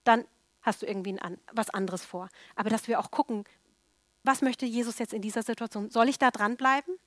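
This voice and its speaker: A woman's voice: on the high side, steady tone, fairly quick, dry recording. A woman preaching a sermon emphatically, repeating key words for stress.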